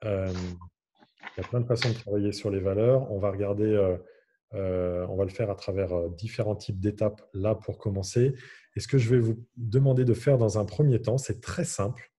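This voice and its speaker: A man's voice: fairly low pitch, fairly even intonation, moderate pace, mellow, slightly rough. A man leading an online coaching workshop over a video call, in an encouraging, instructive way.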